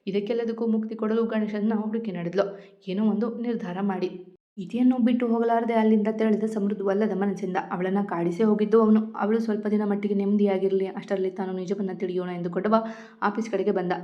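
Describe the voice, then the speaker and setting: A woman narrating a romance story in a steady, expressive reading voice. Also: medium pitch, a little fast. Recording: dull lo-fi recording.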